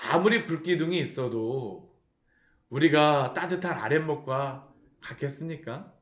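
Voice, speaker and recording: Animated pastor with a slightly high voice. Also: male voice, measured pace, roomy sound. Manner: asks the listeners many rhetorical questions; animated, acts out the people he describes. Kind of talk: sermon. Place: church sanctuary.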